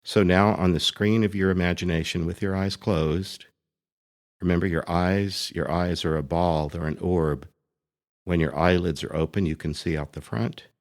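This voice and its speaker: A man speaking as a priest leading a guided meditation, gently and deliberately, pausing between short phrases. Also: sits low, steady tone.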